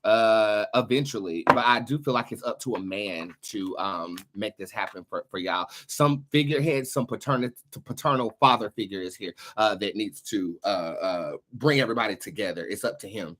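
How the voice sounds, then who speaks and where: An American man hosting a live tarot reading show, talking in sassy, expressive slang with plenty of swearing. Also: on the low side, moderate pace, few pauses. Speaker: tarot reader and show host.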